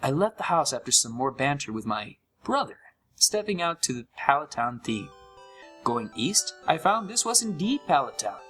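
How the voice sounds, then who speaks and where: A man giving an expressive, scripted first-person narration of a horror story. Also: a little high.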